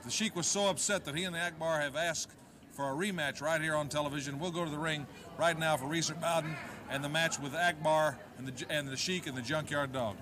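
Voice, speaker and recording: A man's voice: fairly high pitch, fairly quick, a crowd in the background. A middle-aged man giving wrestling commentary from a TV broadcast desk. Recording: clearly noisy old TV broadcast audio.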